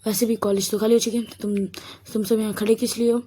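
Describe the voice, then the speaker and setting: A woman's voice: a little high, level tone, fast talker, warm tone, slight background noise, natural voice. A woman voicing a strict, reserved female college teacher who speaks curtly and scolds. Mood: stern. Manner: curt, scolding.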